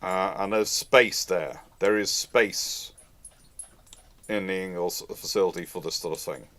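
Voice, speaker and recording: A man's voice: low voice, a little slow, fairly bright tone. A man hosting a live question-and-answer chat, talking in a rambling way and often repeating and rephrasing himself. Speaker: host answering audience questions.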